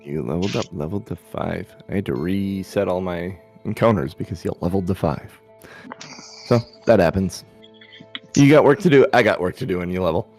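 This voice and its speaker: A man with a low, gravelly voice runs a tabletop game, chatting with his players over a video call. He jokes and teases in a loose, casual way before getting the session going. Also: lively intonation, fairly quick, a little mellow, faint music behind. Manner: joking, chatty, teasing the players. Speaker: dungeon master.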